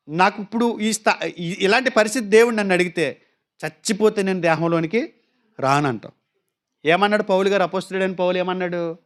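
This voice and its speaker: A man's voice: high-pitched, fairly bright tone. A man preaching a sermon, asking the congregation questions and acting out quoted voices in little stories. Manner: acts out quoted voices and anecdotes.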